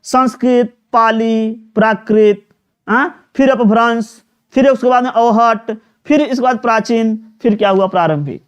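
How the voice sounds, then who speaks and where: High-voiced teacher drilling students. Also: male voice, measured pace, clean tone. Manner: repeats words and asks students questions, with many fillers. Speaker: Hindi teacher. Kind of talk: live online class, explaining exam questions.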